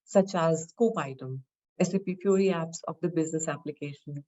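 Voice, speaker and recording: A woman with a fairly low voice delivers a scripted technical presentation. She explains step by step in short, measured phrases, as a presenter walking through a product. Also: mellow, dull audio.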